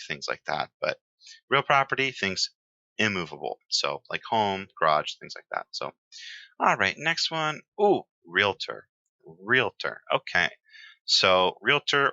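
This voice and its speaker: A very low-pitched man explains exam vocabulary in a loose, friendly lecture and fills his pauses with lots of "uh" and "um." His voice has a very bright, forceful edge. The recording is dry and a little dull. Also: no room sound. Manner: relaxed, chatty, many fillers. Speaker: exam prep teacher.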